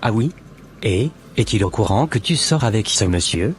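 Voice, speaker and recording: A man's voice: lowish voice, animated, moderate pace, soft background music, close to an everyday voice. A man playing an earnest, solemn born-again Christian with a preachy, formal manner in an amateur cartoon. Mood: solemn, admonishing.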